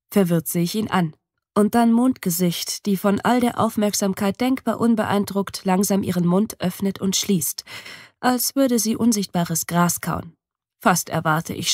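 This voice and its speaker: A woman narrating an audiobook in the first person, her voice sitting in a middle register. Her reading is steady and measured, recorded close in a dry studio. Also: medium pitch, no room sound. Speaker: audiobook reader. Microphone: close studio mic.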